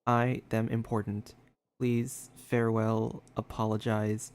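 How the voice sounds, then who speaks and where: A man's voice: on the low side, flat delivery, slow pace, clean tone. A man streaming a game, reading its story text aloud and adding casual commentary.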